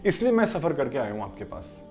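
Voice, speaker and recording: A man voicing an eager, excitable young man who travelled far. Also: mid-range voice, soft background music, natural voice.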